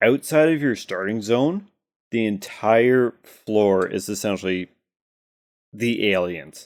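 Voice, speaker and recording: Fairly slow pace and ordinary pitch variation in a man's speech. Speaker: gaming podcast co-host. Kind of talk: casual chat.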